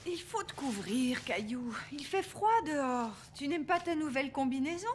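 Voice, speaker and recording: An actress playing a gentle, upbeat mother in a children's cartoon, coaxing a small child. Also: high voice, animated, normal speed, a little hiss or hum.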